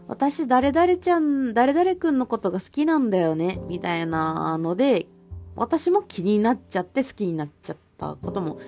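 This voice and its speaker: A woman's voice: medium pitch, gravelly, darkish tone. A woman hosting her own podcast, rambling casually with plenty of fillers. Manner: chatty, rambling with many fillers. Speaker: podcast host. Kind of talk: casual solo podcast talk.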